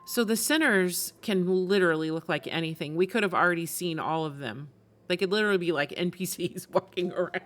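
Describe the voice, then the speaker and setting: Woman, fairly low voice, casual game stream commentary, conversational, musing aloud, faint music behind. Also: a little fast. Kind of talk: casual live reaction commentary.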